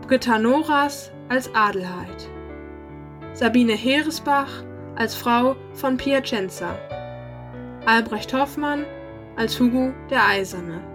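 A woman announcer reading scripted closing credits for an audio drama. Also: a little high. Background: music with piano.

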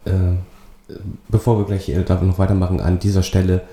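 Brief: hesitant, filler-heavy co-host, low mellow voice, echoey room sound. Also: male voice, level tone, brisk. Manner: hesitant, many fillers and restarts, reads quiz questions aloud. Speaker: podcast co-host. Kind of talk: casual podcast chat.

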